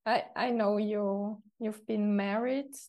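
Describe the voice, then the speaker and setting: A woman interviewer asking short, gentle questions and giving soft affirmations. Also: medium pitch, fairly even intonation, slow pace, muffled recording.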